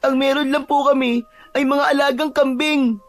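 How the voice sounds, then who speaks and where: A woman acts as a small captive boy in an audio drama. The voice is high and childlike, frightened and plaintive, begging politely over faint music. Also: little pitch movement, moderate pace, no room sound, lightly acted. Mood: wary, pleading. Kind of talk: Filipino audio drama acting.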